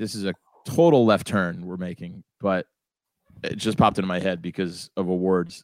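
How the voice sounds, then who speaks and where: With a normal speaking voice at a fairly low pitch, a man talks at a fairly quick pace with big swings in loudness. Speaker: podcast co-host. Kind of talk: casual comedic banter.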